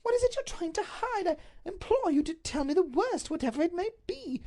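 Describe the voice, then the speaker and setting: A woman voicing an anxious aristocratic Duchess, pleading in a high, breathless voice. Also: sing-song, brisk, mellow, exaggerated voice.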